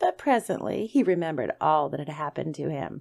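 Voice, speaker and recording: Vocal fry at a fairly quick pace. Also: woman. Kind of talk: bedtime story narration, ASMR-style storytelling. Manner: calm, relaxed storytelling pace.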